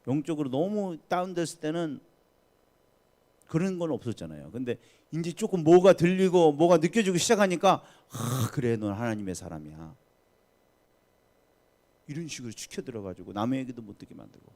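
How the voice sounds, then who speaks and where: A man's voice: on the high side, big pitch swings, brisk, mellow. A man preaching a sermon as pastor at a midweek prayer service, talking emphatically and putting questions to the congregation.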